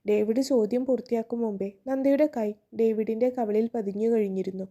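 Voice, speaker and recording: A woman narrating a romance novel as a storyteller, reading in a calm, steady way. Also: a little high, fairly quick.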